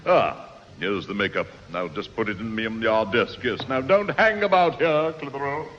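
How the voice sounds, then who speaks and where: An actor playing a dry, hesitant schoolmaster in a 1960s radio comedy, hemming and humming between sarcastic put-downs. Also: male voice, mid-range voice, moderate pace, fairly bright tone, close to an everyday voice. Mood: hesitant, reluctant. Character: dry, hesitant English schoolmaster, easily exasperated. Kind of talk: 1960s radio sitcom acting. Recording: reverberant, muffled, noisy 1960s radio recording.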